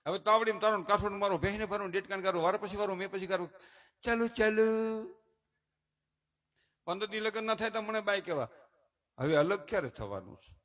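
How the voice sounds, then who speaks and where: A middle-aged man, a folk comedian telling stories on stage. He talks loud and animated and swings into preachy appeals. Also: sits high, fairly quick, pauses often. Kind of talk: live stage comedy storytelling.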